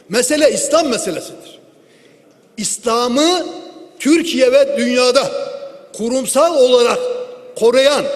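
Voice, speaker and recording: High-voiced man orating at a lectern microphone. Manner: forceful, declamatory oratory with rhetorical questions. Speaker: member of parliament giving a speech. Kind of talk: political speech from the rostrum. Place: large parliament hall. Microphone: lectern microphone at the rostrum. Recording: long hall reverb.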